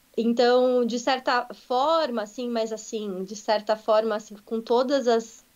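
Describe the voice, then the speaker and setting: A woman with a fairly high pitch speaks at a very slow pace with hardly any pauses and fairly even intonation on a very clean recording with a silent background. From Brazil, interior of São Paulo state (Ourinhos). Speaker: social worker with immigrants, former journalist. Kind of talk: interview. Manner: halting, many restarts and fillers.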